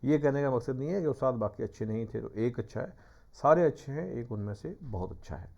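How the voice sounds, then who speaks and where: A man's voice: medium pitch, animated, gravelly, warm tone. A male teacher giving a classroom lecture, patiently explaining step by step with examples. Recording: dull lo-fi recording.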